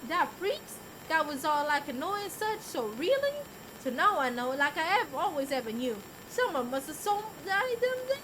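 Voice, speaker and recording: Agitated old vagrant played by a woman, high and swooping, loud confused rambling, visual novel. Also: sing-song, normal speed, a little hiss or hum, low-quality recording. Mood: agitated, accusing. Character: dirty, agitated, confused old homeless man.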